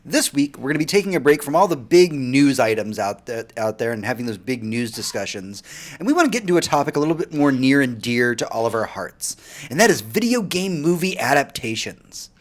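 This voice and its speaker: A man's voice: mid-range voice, a little fast. A man hosting a casual podcast, steering the talk with energy. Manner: lively, steers the discussion. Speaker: podcast host.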